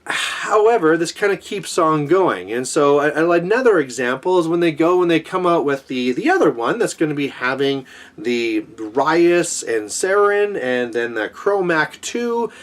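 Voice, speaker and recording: A man with a somewhat high voice delivers a casual vlog rant about his gripes. He sounds exasperated and conversational, rambling along as he complains to his viewers. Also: sing-song, a little slow. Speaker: gaming hobby vlogger.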